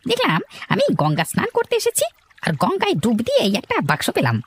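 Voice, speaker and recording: A man voicing a jovial, pious old gentleman in a cartoon story, husky and rambling. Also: very high-pitched, wildly swooping pitch, fairly quick, heavily acted. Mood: amused. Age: older. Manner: rambling, chuckling, exclamatory.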